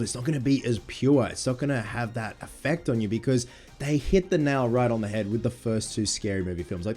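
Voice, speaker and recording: A man in his thirties talking casually to camera, with a husky, congested voice from a sinus infection. He sounds excitable and swears casually. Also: mid-range voice. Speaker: movie vlogger.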